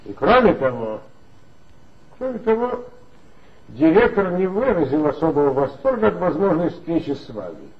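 A diplomatic police superior in a 1960s radio play. He gives orders in a measured way, and his intonation rises and falls a great deal. The old recording sounds dull. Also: on the high side, very animated.

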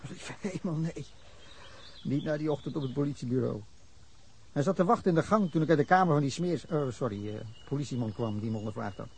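A husky, indignant witness. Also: male voice, on the high side, lively intonation, fairly quick, darkish tone, exaggerated voice. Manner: indignant, rambling account with bursts of anger. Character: defensive middle-aged man telling police of a drunken brawl. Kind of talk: Dutch radio drama acting.

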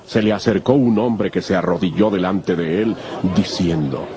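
A man narrating scripture from a script in a solemn, measured manner. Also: sits low, crowd noise.

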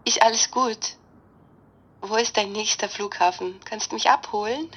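An actress playing a sorrowful, romantic and evasive online sweetheart from Russia in a German radio drama, emotional and imploring. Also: female voice, medium pitch, normal speed, natural voice. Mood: tender, longing.

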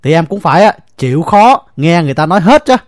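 A man's voice: fairly high pitch, sing-song, fast talker, no room sound. A man voicing a harried husband with a Southern Vietnamese accent, flustered and pleading, his voice raised and pressing. The sound is close and dry. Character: harried timid husband caught between two women. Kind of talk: audio drama acting.

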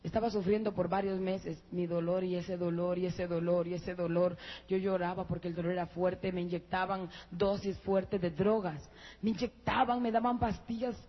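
In a muffled, lo-fi church recording, a woman gives an emotional testimony, addressing listeners as brothers. She speaks at a moderate pace and rises to high, excited peaks.

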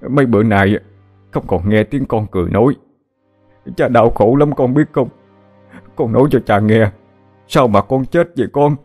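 A man playing a grieving, remorseful father who speaks in a hushed, confiding way. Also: low-pitched, fairly even intonation, moderate pace, gravelly, long pauses, faint music behind.

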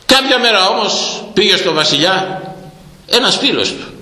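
Lively male preacher telling a story, bright voice, echoey hall. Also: high-pitched. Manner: lively storyteller, acts out the characters. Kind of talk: storytelling sermon. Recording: echoey hall with long reverb.

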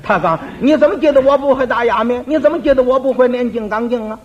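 A man's voice: very high-pitched, fast. A man doing a drunk bragging butcher. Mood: indignant. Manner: bragging, stammering. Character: drunk boastful male butcher, know-it-all. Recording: dull lo-fi old recording.

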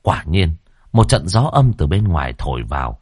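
A man narrating a ghost story in a vivid, lively way. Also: sits low, normal speed, a little hiss or hum. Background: faint background music.

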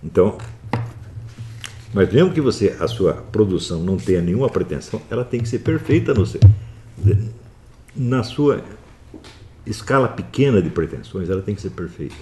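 Deep-voiced man lecturing forcefully. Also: normal speed, long pauses, a little hiss or hum. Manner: forceful, scolding bursts between calm explaining. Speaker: philosophy teacher. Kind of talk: recorded online lecture.

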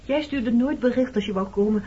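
A woman's voice: on the high side, a little fast, warm tone, a little hiss or hum, close to an everyday voice. An actress playing a weary, defensive woman in her thirties, haunted by her wartime past, in a radio play. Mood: guarded. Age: 30s. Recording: dull old radio play recording.

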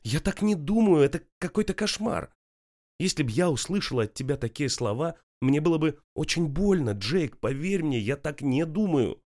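A man's voice: medium pitch, a little fast, voice pushed up, close to an everyday voice. A man voicing a young woman, anxious and near tears, pleading in a rising voice. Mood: desperate pleading.

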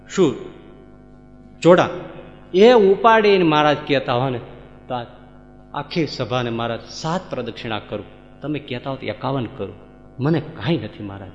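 A man's voice: on the high side, lightly acted. A man playing a humble devotee who fervently begs his spiritual master not to be displeased, in a sermon story. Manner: fervent, pleading. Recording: echoey hall, dull sound, faint music.

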